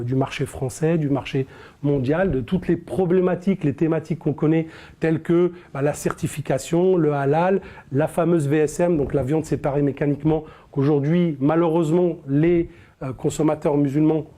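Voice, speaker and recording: A man hosts an interview on a studio set, leaning on fillers and restarting his sentences often. His voice sits a little high but with a mellow, dark tone. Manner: hesitant, many fillers and restarts. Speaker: interview host.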